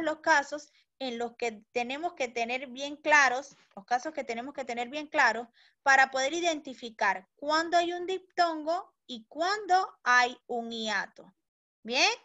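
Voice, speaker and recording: A woman teaching a recorded school lesson for children, sounding out syllables slowly and checking understanding with short questions. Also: sits high, fairly bright tone. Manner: slow, deliberate, stretches and sounds out syllables.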